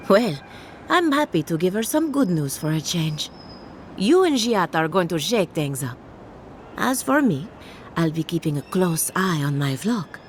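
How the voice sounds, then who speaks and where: An actress playing a solemn, caring woman scholar who tends a farm, speaking in a measured, gently formal way. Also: on the low side, a little hiss or hum. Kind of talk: video game character dialogue.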